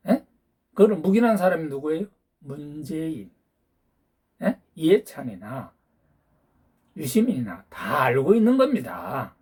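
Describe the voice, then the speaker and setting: With a husky, fairly high voice and a darkish tone, a YouTube channel host delivers a ranting political monologue. He lectures his listeners in a hectoring manner, firing off challenging rhetorical questions.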